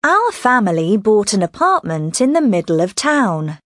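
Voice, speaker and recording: A woman reading scripted answers and sentences for a listening exercise, in a clear, careful way. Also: medium pitch, very animated, moderate pace, a bit bright, dry recording, studio quality.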